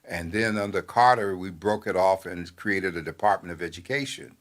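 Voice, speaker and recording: An older man with a fairly low voice, talking as a newspaper editor on a talk program. He speaks in a measured, halting way and fills his pauses with many uhs and ums. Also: a bit bright. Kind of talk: radio talk commentary.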